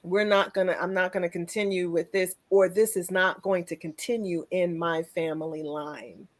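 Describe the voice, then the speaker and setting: A woman hosting a conversational interview, speaking in measured, short rhetorical phrases. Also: on the low side, steady tone. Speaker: talk show host.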